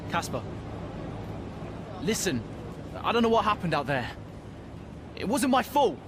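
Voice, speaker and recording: An actor playing a humble, nervous young rookie racing driver in a natural video game cutscene style. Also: male voice, sits high, big pitch swings, measured pace, background noise. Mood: defensive. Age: young adult.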